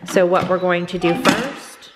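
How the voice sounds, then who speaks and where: A middle-aged woman with a slightly low voice talks a viewer through a recipe in a relaxed, chatty way, explaining each step as she works. Her voice rings with a long reverb from the kitchen, and a faint hiss sits underneath. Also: measured pace. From Texas. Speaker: cooking vlogger. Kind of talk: casual cook-along demonstration. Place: home kitchen, indoors.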